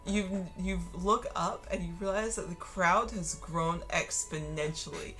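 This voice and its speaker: A woman's voice: on the low side, measured pace, fairly bright tone, soft background music. A woman narrating as game master in a live tabletop game, casual and laughing often.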